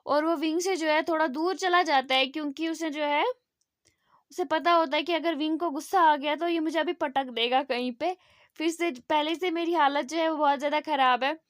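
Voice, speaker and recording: A woman's voice: high voice, steady tone, normal speed, no echo, clean studio sound. A woman casually retelling a fan story, narrating in a loose, conversational way with lots of fillers.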